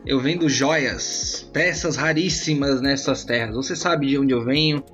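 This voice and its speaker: A man voicing a flattering, wary jewel merchant at a market stall in a tabletop roleplay. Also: medium pitch, unhurried, lightly acted. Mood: salesmanlike. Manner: gushing sales talk, addresses buyer formally. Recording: slightly muffled, band-limited audio with music. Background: background music.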